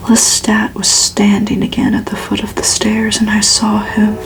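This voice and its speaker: A woman reading a gothic novel aloud for ASMR in a breathy, unvoiced whisper, hushed and deliberate, with pauses between phrases. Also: mid-range voice, monotone, low-quality recording. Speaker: ASMR reader.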